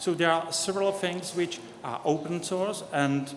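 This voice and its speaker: A man talks at a moderate pace with ordinary pitch variation. The room echo is audible. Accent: Czech. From Czech Republic. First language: Czech. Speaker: conference speaker. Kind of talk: conference presentation. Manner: halting, many fillers.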